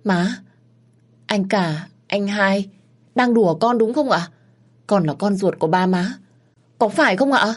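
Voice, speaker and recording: A woman's voice: medium pitch, expressive, unhurried, pauses often, voice pushed up. A woman voicing a heartbroken young adopted daughter who pleads tearfully, in a spoken storybook. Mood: tearful pleading.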